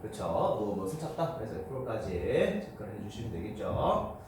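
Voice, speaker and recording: Male English teacher, lively pitch, lecturing in a roomy hall from a distance, light room noise. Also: moderate pace. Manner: explains step by step, often asking students for agreement. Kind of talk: classroom lecture.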